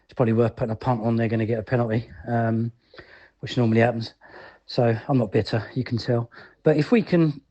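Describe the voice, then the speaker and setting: A man's voice: mid-range voice, steady tone, brisk, mellow, dull audio. A man giving a casual, rambling match review as a fan's voicemail, in colloquial language. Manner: colloquial, rambling, frequent "you know". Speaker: fan leaving a voicemail for a podcast.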